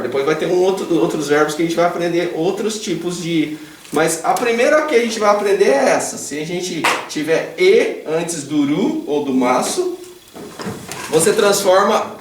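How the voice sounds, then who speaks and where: A man's voice: high-pitched, recorded from a distance. A Brazilian man teaches in a slightly raised voice. He sounds patient and chatty, checks in with his listeners often, and fixes his own words as he goes. He stands a few steps from the mic in an echoey room with a faint hum behind him. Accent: Brazilian Portuguese. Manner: patient and chatty, asks the class questions and tags sentences with a questioning "né?"; corrects himself mid-sentence while writing on the board. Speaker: Japanese teacher. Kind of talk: explaining grammar in an informal online class.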